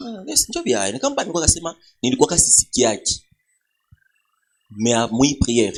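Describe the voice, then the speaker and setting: A man speaks with a Swahili accent. He leaves long, frequent pauses. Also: moderate pace. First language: Swahili (speaking French). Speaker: pastor. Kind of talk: sermon. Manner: animated.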